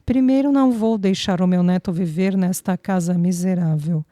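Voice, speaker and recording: A woman's voice: fairly low pitch, moderate pace, dark tone, dry recording, clean studio sound, natural voice. A woman reading an older immigrant father who speaks bluntly and drops Italian words into his talk. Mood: humble, firm.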